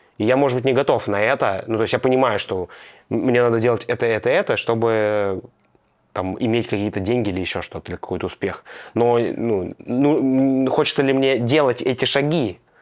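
Heard in a very clean recording with a silent background, a man at medium pitch uses an ordinary speaking voice with ordinary pitch variation at a moderate pace. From Russia, Kaliningrad. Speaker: music YouTuber. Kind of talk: casual chat.

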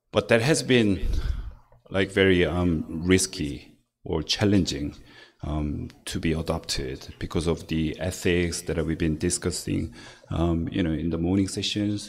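Speaking at a fairly slow pace, a man with a non-native accent has a very deep, low pitch and ordinary pitch variation. The recording is very clean, with a silent background. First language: not English. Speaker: conference presenter on AI. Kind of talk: conference presentation. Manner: hesitant, many fillers.

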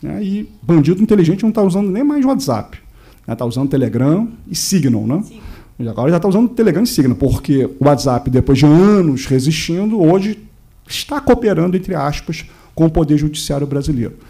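A man with a dark, mellow tone speaks at a fairly quick pace and fairly high pitch, his voice making very wide pitch swings against a quiet background. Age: 40s. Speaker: public prosecutor. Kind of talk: expert presentation at legislative hearing. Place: meeting room. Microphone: podium.

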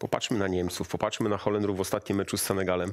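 A man speaks with a Polish accent. The background is quiet. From Poland. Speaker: football coach. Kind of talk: casual chat. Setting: studio. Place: studio. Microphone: headset.

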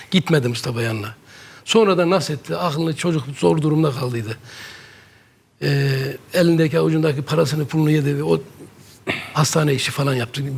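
Fairly quick in pace yet marked by long, frequent pauses, a man speaks with a fairly high pitch, a somewhat breathy voice and ordinary pitch variation. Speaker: father of missing man. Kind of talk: emotional testimony on TV talk show. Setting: studio.

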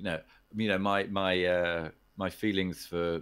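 The background is quiet. A man speaks at a very deep, low pitch. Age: 60s. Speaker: poker executive and player; podcast guest. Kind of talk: podcast interview. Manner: halting, repeats words. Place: home room.

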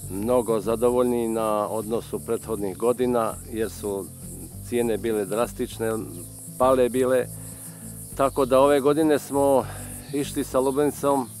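Faint music plays in the background as a man speaks at a moderate pace. His intonation is fairly even, and the sound is dry with no echo. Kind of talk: interview answer. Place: farm machine.

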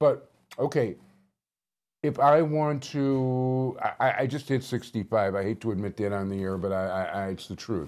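A man with an American accent, at a fairly slow pace and with lively intonation. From Chicago area. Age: 60s. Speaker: community TV show host. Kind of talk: interview. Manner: conversational, uses many fillers. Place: studio. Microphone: lapel.

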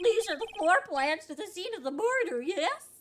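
A put-on character voice at a moderate pace, with very wide pitch swings and big swings in loudness. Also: woman, extremely high pitch for a woman. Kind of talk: comic overacting. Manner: goofy, befuddled.

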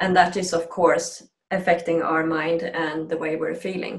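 A somewhat breathy woman's voice against a quiet background. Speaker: movement teacher. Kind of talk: tutorial. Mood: calm, warm. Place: empty room. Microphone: camera far.

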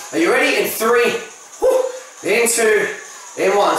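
Over background music and strong room echo, a man talks at a fairly slow pace with an extremely high pitch. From UK. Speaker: fitness instructor. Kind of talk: follow-along workout coaching with live cueing. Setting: filmed workout video. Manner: upbeat, encouraging, chatty with playful asides; counts down and cues steadily through holds. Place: empty room. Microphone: camera far.

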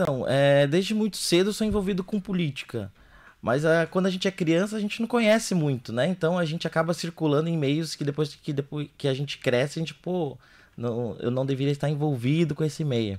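Against a quiet background, a man with a fairly high pitch speaks at a fairly quick pace with lively intonation. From Brazil, Foz do Iguaçu (Paraná); Paraná, Brazil. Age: 20s. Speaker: political candidate; candidate. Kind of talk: radio interview. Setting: radio studio. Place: studio. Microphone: studio mic.

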